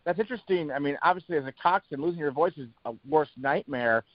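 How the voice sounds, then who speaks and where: A man's voice: fairly high pitch, fast talker, no room sound. A man hosting a college sports podcast, asking his guests questions in a conversational way. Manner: conversational, leads with recollections. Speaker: podcast host. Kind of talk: interview questions. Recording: dull lo-fi audio.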